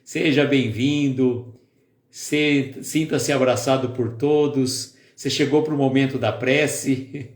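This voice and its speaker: A man hosting a spiritist live stream, chatting casually with viewers by name and then slowly leading a calm guided prayer. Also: mid-range voice. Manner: slow, soft and calm when leading the prayer. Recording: echoey room with faint music.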